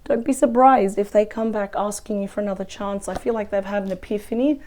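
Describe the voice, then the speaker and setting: A woman with a weak, croaky voice from a cold, chatting through a weekly tarot reading. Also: mid-range voice, steady tone, brisk, dark tone. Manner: chatty, thinks aloud over the cards. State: hoarse from a cold. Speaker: tarot reader. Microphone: close microphone.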